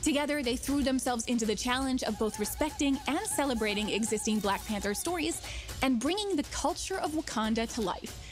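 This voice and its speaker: Woman for scripted game promo narration, fairly high pitch, light music underneath. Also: expressive, fairly quick. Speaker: presenter.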